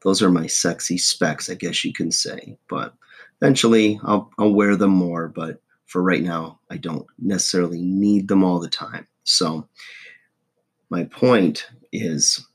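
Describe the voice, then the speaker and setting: A hoarse, husky man in his forties giving a casual, folksy motivational monologue as a host. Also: sits low, fairly even intonation, a little slow. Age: 40s. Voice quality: husky, rough. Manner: folksy, self-deprecating, checks in with "okay?" and "right?". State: hoarse voice, throat-clearing. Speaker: host of a motivational video podcast.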